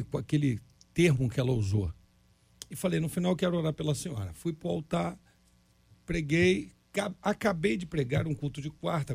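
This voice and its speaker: A man's voice: mid-range voice, gravelly, husky. A man, a bishop, telling a church testimony with mounting emotion. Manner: emotional storytelling, rising with excitement. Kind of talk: testimony in a church talk panel.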